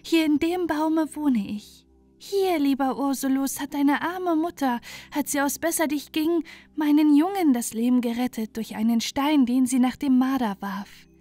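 Woman voicing a high-pitched little storybook bird. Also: a little slow, warm tone, no room sound, soft background music. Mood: kindly. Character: small helpful male bird, brisk, caring friend. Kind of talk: storybook character voice.

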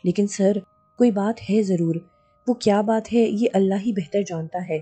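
A woman's voice: mid-range voice, normal speed, dark tone, husky, faint music behind, close to an everyday voice. Woman voicing a young husband bluffing bravado. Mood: reassuring.

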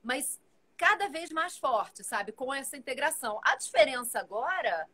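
Speaking at a normal pace in a high voice, a woman in her forties who works as an actress appears as a guest on a live video call. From her home, amid plants and shelving, she stays talkative and animated, using her hands while she talks.

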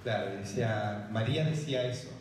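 A man's voice: on the low side, fairly quick, darkish tone, slight background noise. A man from Chile interpreting a guest preacher phrase by phrase for the audience and adding short asides to them. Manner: repeats each phrase, adds brief asides to the audience. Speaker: interpreter and event host. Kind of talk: live sermon interpreting. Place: large hall with bare walls, indoors. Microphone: handheld mic, heard from a distant camera. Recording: echoey hall from far off.

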